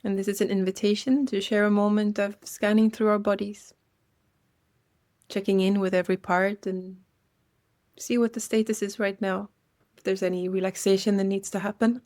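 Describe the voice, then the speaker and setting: Female meditation guide, medium pitch, gentle and unhurried delivery with generous pauses. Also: little pitch movement.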